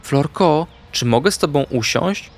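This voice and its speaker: A man voicing a wise, gentle female owl teacher in a children's storybook reading, talking calmly and patiently. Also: fairly high pitch, a little slow, voice pushed up. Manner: calm, kind, explaining patiently.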